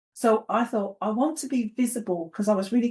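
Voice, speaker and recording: Speaking at a fairly quick pace with a British accent, a woman has a fairly high pitch, ordinary pitch variation and a dark, mellow tone. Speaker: podcast co-host. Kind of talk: casual chat. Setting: hotel, in person. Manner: loud.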